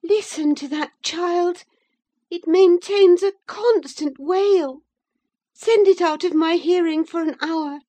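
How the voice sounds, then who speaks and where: A woman's voice: very high-pitched, slow, warm tone, voice pushed up. A woman voicing a distraught, spiteful young woman who talks in agitated, breathless outbursts. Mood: bitter.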